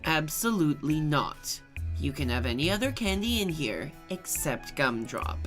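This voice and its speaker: A woman's voice: low-pitched, sing-song, normal speed, faint music behind. A woman voicing a grumpy, blunt female candy-shop alchemist in a game, dry and dismissive. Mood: curt.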